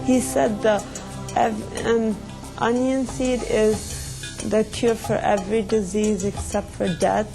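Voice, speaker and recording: A woman gives a personal account in a creaky, medium-pitched voice. Her intonation stays flat, and music is clearly heard behind her. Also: takes it slowly. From United States. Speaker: interviewee sharing family experience. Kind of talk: personal explanation.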